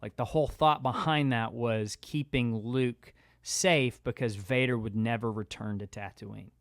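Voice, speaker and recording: A man's voice: medium pitch, fairly even intonation, measured pace, dry recording, studio quality. A man co-hosting a podcast in casual discussion, talking conversationally and often dropping "like" into his sentences. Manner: conversational, peppers speech with "like". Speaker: podcast co-host.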